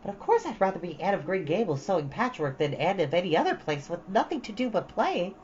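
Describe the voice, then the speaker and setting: Lady doing a dreamy gushing little girl from a storybook, swoopy pitch, kinda dull lo-fi sound. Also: sing-song, fast talker, darkish tone. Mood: dreamy, excited. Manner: gushing, dramatic, earnest. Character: dreamy, chattering, romantic young orphan girl. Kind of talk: storybook read-aloud. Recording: dull, lo-fi, faint background noise.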